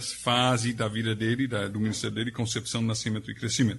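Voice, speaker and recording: A man speaks with a non-native accent and fairly even intonation. The background is quiet. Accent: foreign accent in Portuguese. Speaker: pastor teaching a seminary class. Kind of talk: lecture. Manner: halting, with self-corrections.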